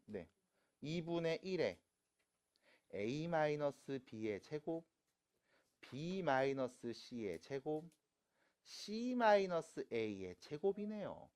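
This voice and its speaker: 활기차게 설명하는 남자 수학 강사. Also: male voice, a little high, big pitch swings, extremely slow, long pauses, a little mellow. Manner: casual, teasing, mixes polite and plain speech with students. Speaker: math teacher at a cram school. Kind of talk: classroom lecture. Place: classroom.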